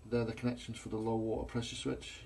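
A middle-aged man with a gravelly, creaky voice walks through a repair step by step as a gas engineer. He talks plainly into a phone he holds himself. The sound is that of a small indoor workshop. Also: on the low side, completely flat delivery, fast, darkish tone, a little hiss or hum. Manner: plain step-by-step explaining, filming on his own phone. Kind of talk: hands-on repair demonstration. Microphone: phone camera held in hand.

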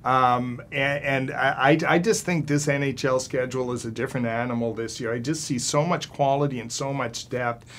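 A man's voice: mid-range voice, steady tone, normal speed, few pauses, a bit bright, slight background noise. An older male sports columnist speaking on a studio panel, emphatic and stumbling over his first words before building up lists. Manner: emphatic, repeats words when starting. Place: studio with panel seated on stools.

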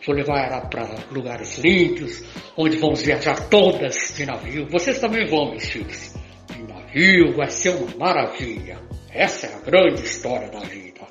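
A man's voice: mid-range voice, expressive, moderate pace, a bit bright, lightly acted. Older man playing a boastful Brazilian ladies' man, echoey. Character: boastful womanizing father wooing many women. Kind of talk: amateur radio drama acting. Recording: echoey, dull lo-fi audio with music.

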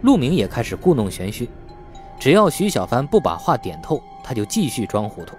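Animated male audiobook narrator. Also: mid-range voice, brisk, faint music behind. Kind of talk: scripted novel narration with acted dialogue.

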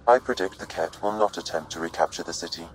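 A man playing a calm, precise artificial intelligence in a video game, formal and matter-of-fact. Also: low-pitched, fast, soft background music, natural voice. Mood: calm, factual.

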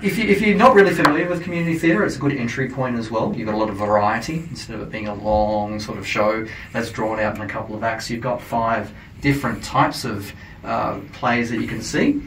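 A man's voice: medium pitch, fairly quick, hardly any pauses, a bit bright, slight background noise. An Australian man talking eagerly as a studio guest on a radio show, explaining with frequent fillers. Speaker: theatre company guest promoting plays. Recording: roomy, distant camera audio.

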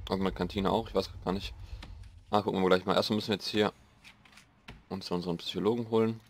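A young man with a slightly hoarse voice, rambling casually through gameplay commentary and mocking himself as he goes. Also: sits low, steady tone, quick pace. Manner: rambling, self-mocking, thinking aloud. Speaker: let's play host.

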